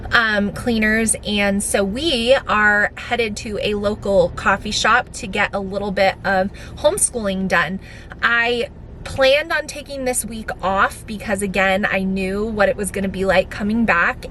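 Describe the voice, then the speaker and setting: A middle-aged American woman talking in a casual, chatty vlog style, explaining things conversationally. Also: a bit bright. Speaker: vlogger and homeschooling mother. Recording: clearly noisy, vehicle rumble.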